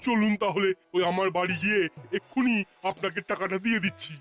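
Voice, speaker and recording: A man's voice: high-pitched, fast talker, a bit bright, faint music behind. A man voicing a mild school headmaster in a cartoon, earnest and polite. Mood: businesslike.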